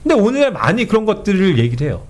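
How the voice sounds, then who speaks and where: Guy leading bible study, talks high and bouncy, keeps going "right?" and acts out what people say. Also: very fast. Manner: animated, often asks the group for agreement; acts out quoted speech.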